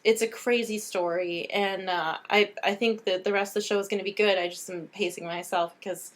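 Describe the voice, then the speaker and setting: A woman's voice: medium pitch, fairly even intonation, fairly quick. A woman chatting casually and informally as a podcast co-host, with an enthusiastic way of talking. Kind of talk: casual chat.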